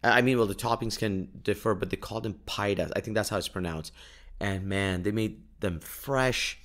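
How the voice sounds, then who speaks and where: Low-voiced man, native Urdu speaker, casual storyteller. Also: normal speed, a bit bright. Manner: jokey, wry exaggeration, chuckles as he talks. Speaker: podcast host. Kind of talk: casual storytelling monologue, travel anecdotes.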